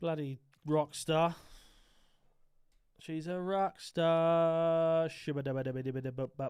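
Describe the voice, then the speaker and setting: The speaker mumbles. Long pauses come often. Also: man, fairly high pitch for a man, fairly even intonation. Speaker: gaming streamer. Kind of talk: live stream chat. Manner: fast; mumbling.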